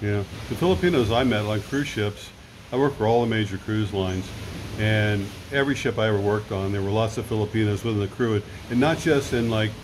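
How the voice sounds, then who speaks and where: A middle-aged man in casual conversation, telling stories eagerly and agreeing readily, recorded in a room with a steady air-conditioner hum. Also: lowish voice. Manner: enthusiastic storyteller, quick and affirming. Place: room in the Philippines.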